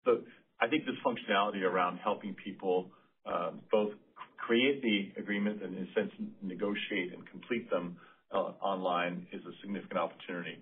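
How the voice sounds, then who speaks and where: Deep-voiced male executive over phone line. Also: steady tone, moderate pace. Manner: explanatory, considered phrasing. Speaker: company executive. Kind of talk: spontaneous answer on earnings call. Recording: narrowband, radio-like phone line.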